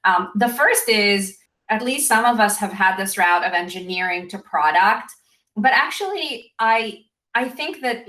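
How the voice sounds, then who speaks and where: A woman's voice: medium pitch, a bit bright. A woman moderating a conference panel, speaking in a thoughtful, conversational way. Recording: echoey room.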